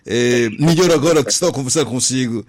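A man from Mozambique hosting a radio show, chatting in a relaxed, friendly way with many hums. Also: mid-range voice, fast. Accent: Mozambican Portuguese. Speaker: radio host. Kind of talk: casual radio chat.

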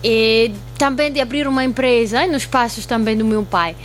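This is a high female voice with an Italian accent, that of a native Italian speaker. She answers as an interview guest in a conversational way. A light hum and some noise sit under her voice in the studio. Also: moderate pace. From Italy. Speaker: guest, textile artisan. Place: radio studio. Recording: faint hum and background noise.

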